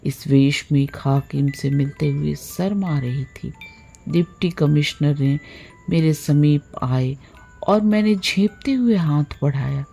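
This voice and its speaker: A woman narrating a literary short story aloud in measured, deliberate phrasing, in the manner of an audiobook. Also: sits low, creaky, warm tone.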